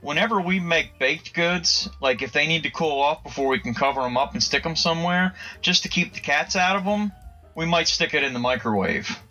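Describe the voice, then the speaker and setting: A man's voice: fairly high pitch, fairly quick, bright, forceful tone, highs cut off, faint music behind. A man co-hosting a comedy podcast, chatting casually in a teasing, playful way and laughing easily. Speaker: podcast co-host.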